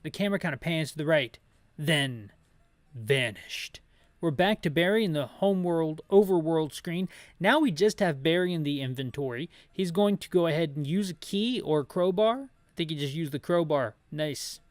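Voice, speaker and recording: A man's voice: a little high, normal speed, dry recording. A man giving descriptive video game commentary, casual and rambling, with wry asides and opinions. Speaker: video game playthrough narrator.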